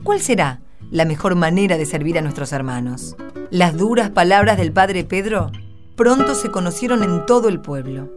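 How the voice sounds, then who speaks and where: A woman with an Argentine accent narrates a radio drama. Her voice is fairly low, with a lively, sweeping melody. Plucked guitar music plays clearly beneath her. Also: normal speed.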